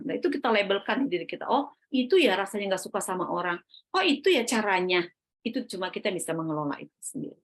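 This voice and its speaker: A woman delivers a parenting talk to a room of parents. Her voice sits somewhat high and she keeps it animated, firing off rhetorical questions and slipping into her own self-talk. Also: breathy edge. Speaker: parenting seminar speaker.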